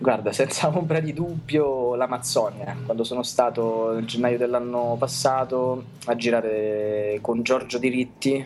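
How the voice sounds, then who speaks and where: Noticeable background noise sits behind a man speaking at a fairly slow pace with a medium pitch. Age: 30s. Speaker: food photographer. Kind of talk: interview.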